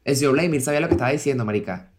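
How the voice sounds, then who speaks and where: A man's voice: mid-range voice, very fast. A young man with a Venezuelan accent, co-hosting a podcast with wry, teasing remarks and casual swearing. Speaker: podcast co-host. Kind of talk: casual chat.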